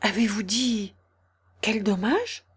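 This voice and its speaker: A woman voicing a timid, nervous male white rabbit in an audiobook, speaking in hushed, anxious whispers. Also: mid-range voice, expressive, slow, breathy edge, exaggerated voice. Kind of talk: audiobook character reading.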